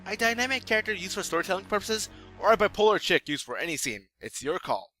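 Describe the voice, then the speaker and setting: A man's voice: high voice, sing-song, fast talker, sharp tone, soft background music. A young man narrating a scripted comedic anime review with sarcastic, joking asides.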